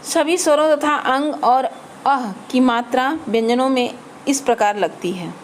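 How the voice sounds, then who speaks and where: A woman with a somewhat high voice teaches a grammar lesson very slowly, sounding out each letter and example word in turn. Faint background noise sits under the recording. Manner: slow, spelling out letters and examples one by one.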